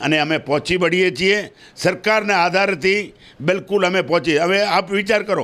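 The man's pitch is high, with fairly even intonation. His loudness stays very even. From Kutch, Gujarat (Abdasa taluka). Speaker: community leader and cow-shelter founder. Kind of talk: interview. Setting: office in Mumbai.

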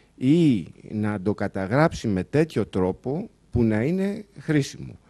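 Against a quiet background, a man talks at a very slow pace, his pitch swinging very widely. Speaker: urologist. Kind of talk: panel discussion. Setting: stage with audience. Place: hall. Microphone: handheld.

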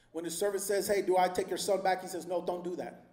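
Here a man speaks with an American accent. Room echo is audible. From Texas. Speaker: pastor. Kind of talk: sermon. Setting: church. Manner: animated. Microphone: handheld.

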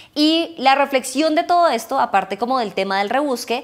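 A woman with a high pitch speaks with lively intonation against a quiet background. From Colombia. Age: 20s. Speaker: YouTuber. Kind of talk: vlog monologue. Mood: warm, reflective. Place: home room.

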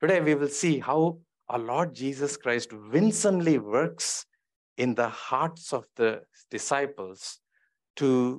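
A man talks with lively intonation, and the background is quiet. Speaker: preacher. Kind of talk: sermon.

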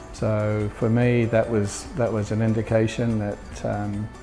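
Music plays clearly behind a man with an Australian accent. He speaks in a fairly low pitch with ordinary pitch variation. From Western Australia. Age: 60s. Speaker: engineer. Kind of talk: patient testimonial interview answer. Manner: hesitant, many fillers. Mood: warm, appreciative. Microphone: lapel.

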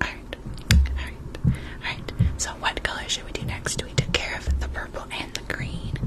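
Loud background noise behind a woman talking at a moderate pace. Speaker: ASMR streamer. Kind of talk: casual livestream chat. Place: home room. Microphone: studio mic.

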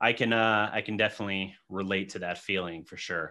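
This man has a bright, sharp tone and a fairly low pitch, keeping a moderate pace and fairly even intonation. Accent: American. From Texas. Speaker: sports podcast host. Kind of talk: casual interview chat. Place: home room.

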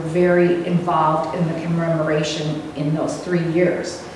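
A woman is speaking in this clip. Strong room echo and light background noise surround her voice. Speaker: host introducing lecturer. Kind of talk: speaker introduction. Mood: warm, appreciative. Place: hall.

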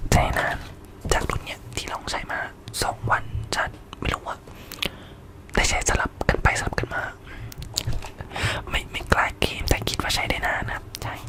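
Someone whispers over noticeable background noise. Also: man. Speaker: ASMR creator. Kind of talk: ASMR product review. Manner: whispered.

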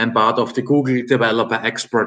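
A man with a German accent speaks at a moderate pace in a bright, sharp tone over a quiet background. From Austria. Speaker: software trainer and consultant; software trainer. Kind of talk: technical talk.

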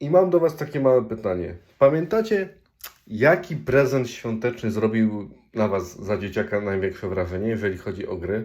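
A man at a medium pitch swings very widely up and down in pitch. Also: moderate pace. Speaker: gaming YouTuber. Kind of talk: casual vlog monologue. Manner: halting, frequent restarts. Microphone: phone microphone.

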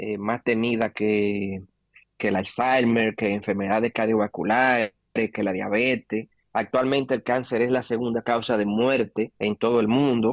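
With an unremarkable speaking voice, a man talks at a fairly slow pace at medium pitch, his intonation fairly even and the sound dry and close with no echo. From Dominican Republic. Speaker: oncologist. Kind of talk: interview.

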